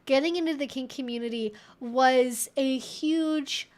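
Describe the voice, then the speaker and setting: A woman with a high-sitting voice talks a little slowly as she hosts a casual livestream. Her chat with viewers is playful, wry and mock-serious, and she giggles a lot along the way.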